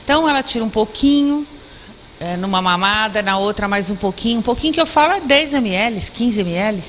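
A woman's voice: a little high, expressive, fairly quick, fairly bright tone. A woman in her fifties giving an explanatory news interview indoors into a handheld mic. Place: indoor lab room. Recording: reverberant room, faint background noise.

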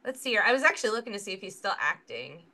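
Woman, podcast co-host, casual chat, enthusiastic, bright tone. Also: mid-range voice, very animated, racing. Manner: chatty, trails off and restarts, enthusiastic about the films.

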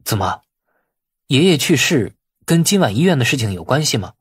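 A deferential younger nephew in an audiobook story, voiced by a male narrator. His tone is curious and questioning, with lively intonation and a faintly husky grain. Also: medium pitch, normal speed, no echo, studio quality. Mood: puzzled. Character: polite, curious younger nephew, a company chairman. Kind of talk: dramatised audiobook dialogue.

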